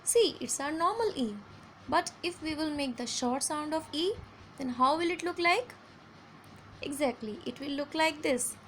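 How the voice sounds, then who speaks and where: High-voiced Indian woman teaching vowels. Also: slight background noise. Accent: Indian English. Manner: slow, stretched example words, switching between English and Hindi. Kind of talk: phonics lesson for children.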